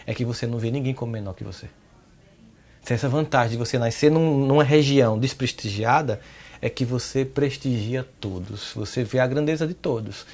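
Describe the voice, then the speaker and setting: Psychologist guy from northeast brazil, middle-aged, animated, voice jumps up high when he stresses stuff, keeps tossing in né. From Paraíba, Northeast Brazil. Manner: animated, pitch jumping up on emphasis, frequent "né?" and "entende?". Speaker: psychologist, interview guest. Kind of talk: reflective interview talk.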